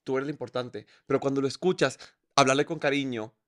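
A young man hosting a casual podcast, joking in slangy, rapid interjections. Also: medium pitch, fairly even intonation, a bit bright, no room sound, clean studio sound. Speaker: podcast host.

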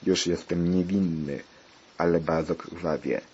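A man's voice: low-pitched, steady tone, unhurried, a little mellow. A man voicing a stubborn, bleeding male pirate prisoner who growls pirate sounds, on a dull lo-fi recording. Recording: dull lo-fi recording, faint hiss.

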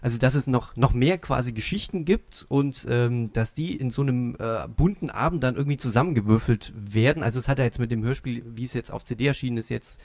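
A man's voice: mid-range voice, fairly quick, hardly any pauses, darkish tone, no echo. A man chatting casually as a panelist on a podcast about audio dramas. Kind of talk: casual chat.

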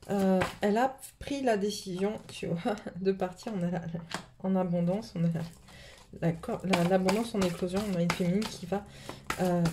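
A woman's voice: medium pitch, dark tone, a little hiss or hum. A woman with a cold, giving a casual spiritual card reading, rambling with many fillers and restarts. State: has a cold. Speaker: tarot reader. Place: home table, camera above the cards.

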